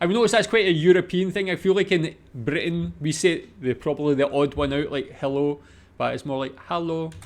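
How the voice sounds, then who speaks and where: At a fairly quick pace, a man with a fairly high pitch speaks in a Scottish accent. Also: ordinary pitch variation. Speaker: reaction video creator. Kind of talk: reaction video commentary. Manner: casual, conversational.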